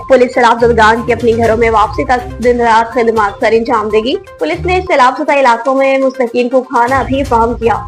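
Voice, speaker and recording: A woman from Pakistan reading a regional news bulletin as anchor, in a formal, measured delivery. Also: on the high side.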